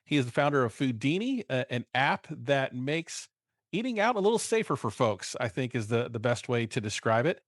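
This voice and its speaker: A man hosting a food podcast, asking loose, halting questions with frequent restarts. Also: mid-range voice, very animated, no room sound, studio quality. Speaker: podcast host.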